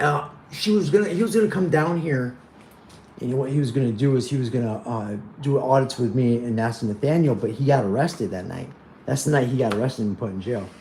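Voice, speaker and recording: Audible room echo surrounds a man with an American accent who speaks at a very fast pace in a medium pitch with lively intonation. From Pennsylvania, small town. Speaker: YouTube livestreamer and activist. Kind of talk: casual livestream chat. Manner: stutters when thinking; halting, many repetitions and fillers.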